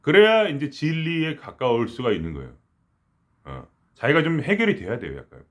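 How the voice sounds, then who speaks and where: A middle-aged man giving a casual spiritual talk, rambling and conversational, with frequent restarts and quiet murmured asides. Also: on the high side, very animated, brisk. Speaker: spiritual teacher.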